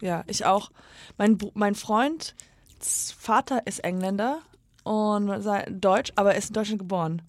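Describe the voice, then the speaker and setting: A woman's voice: mid-range voice, a little slow, no echo, clean studio sound. A woman hosting a casual interview chat, talking in a jokey, irreverent way and swearing freely.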